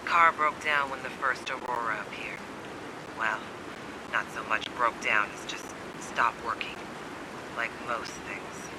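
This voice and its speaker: A man's voice: mid-range voice, steady tone, a little slow, heavy background noise, lightly acted. A man playing a wary, secretive survivor in a video game, terse, guarded and cynical, with blunt urgency. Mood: grim, shaken. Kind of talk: dramatic video game acting.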